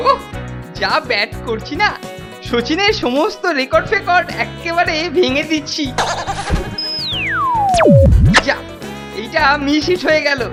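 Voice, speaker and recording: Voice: high voice, animated, moderate pace. A performer voicing a boastful, teasing teenage senior schoolboy bully in a Bengali cartoon. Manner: taunting, boastful. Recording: music behind the voice.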